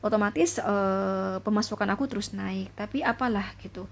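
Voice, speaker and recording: A woman's voice: medium pitch, moderate pace, vocal fry, slight background noise. A woman talking casually to viewers while selling jewelry and reading tarot cards, chatty and repetitive. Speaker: tarot reader and jewelry seller.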